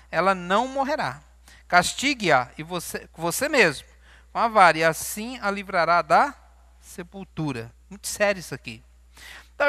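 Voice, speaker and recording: A man's voice: high-pitched, sharp tone, no room sound. A man with a Brazilian Portuguese accent preaching a sermon in a church, talking conversationally and asking his congregation questions. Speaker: pastor.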